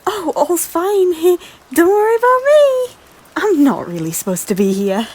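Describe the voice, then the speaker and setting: A woman playing a guilt-ridden, wounded but proud deposed queen in an audio drama, hesitant and breathy, often dropping towards a whisper. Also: very high-pitched, sing-song, moderate pace, darkish tone. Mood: brave, pained. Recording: music under the voice. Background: music.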